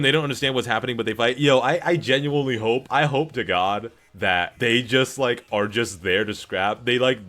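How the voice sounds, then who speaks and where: A man streaming casual reaction commentary to viewers, animated and slangy, swearing freely. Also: mid-range voice. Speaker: streamer reacting to game cutscenes.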